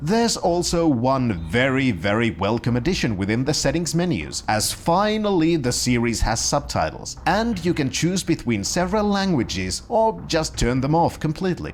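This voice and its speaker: Speaking with a non-native accent at a medium pitch, a man keeps a moderate pace with hardly any pauses, very even loudness and very wide pitch swings. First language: not English. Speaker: video game reviewer. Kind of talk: scripted narration.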